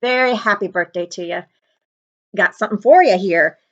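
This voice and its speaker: A woman voicing a friendly, gruff, hungry giant man from a storybook, with rustic, ungrammatical speech. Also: medium pitch, normal speed, fairly bright tone, lo-fi sound, lightly acted. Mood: hearty, hungry.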